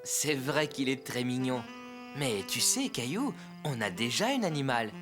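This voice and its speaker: A man playing a patient, gentle father in a French-language children's cartoon. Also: mid-range voice, animated, measured pace, music in the background, natural voice.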